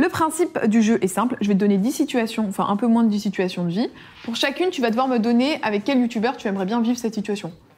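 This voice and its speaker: Against noticeable background noise, a woman talks very fast with a fairly high pitch and lively intonation. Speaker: podcast interviewer and content creator. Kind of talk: casual chat.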